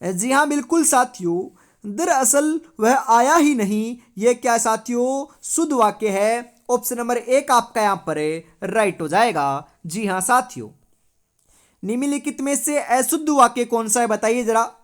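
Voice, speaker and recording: Woman, teacher, from India, exam-prep quiz lesson, reads options aloud, repeated confirming phrases, fairly high voice. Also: normal speed.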